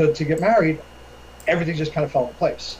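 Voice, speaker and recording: A man with an American accent, fairly high in pitch with ordinary pitch variation, at a fairly quick pace, against noticeable background noise. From New York, Brooklyn. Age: 40s. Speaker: YouTuber, former pro wrestler. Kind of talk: interview. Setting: quiet home workspace, remote call. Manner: plain-spoken, blunt.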